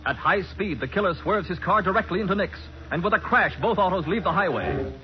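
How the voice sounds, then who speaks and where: A man's voice: sits high, lively intonation, a little fast. A man with an American accent announcing and narrating dramatically for a 1940s radio crime show. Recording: dull 1940s radio recording, loud music.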